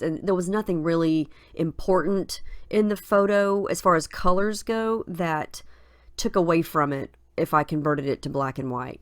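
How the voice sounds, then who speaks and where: A woman's voice, slightly low and made scratchy and nasal by a head cold. She talks in a relaxed, chatty way, thinking aloud as she goes. The sound is dry and close. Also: no room sound. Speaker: craft video host. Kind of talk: casual voice-over narrating a scrapbooking process.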